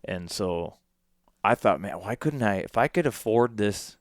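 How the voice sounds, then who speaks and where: A man's voice: lowish voice, animated, measured pace, no room sound, studio quality. A man in his forties chatting casually on a podcast, rambling and full of fillers. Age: 40s. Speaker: podcast guest.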